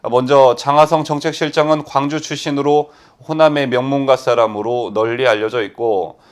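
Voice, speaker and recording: Smooth-voiced man reading political commentary. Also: mid-range voice, normal speed. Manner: steady reading with frequent "ah" fillers. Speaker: news commentator. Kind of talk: read political news commentary.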